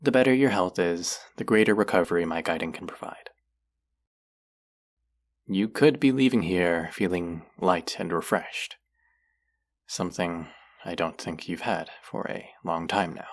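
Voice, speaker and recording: A voice actor playing a caring but gently stern clinic guide in a roleplay audio drama, soft-spoken and concerned, talking straight to a patient. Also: sits low, unhurried, long pauses. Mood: soothing. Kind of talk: roleplay audio drama, speaking softly to the listener.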